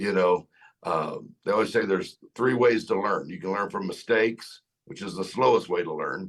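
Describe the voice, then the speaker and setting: A man's fairly low voice with a Southern accent. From US South, Mississippi. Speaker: pastor and motivational speaker. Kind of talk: podcast interview. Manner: animated.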